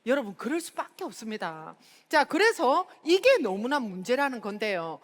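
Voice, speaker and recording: A woman's voice: on the high side, very animated, moderate pace. A middle-aged woman with a Busan accent, giving a chatty, storytelling motivational talk at a seminar and often calling out to the audience. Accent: Busan dialect of Korean. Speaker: speaker at a sales seminar. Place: large hall. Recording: reverberant hall, stage mic.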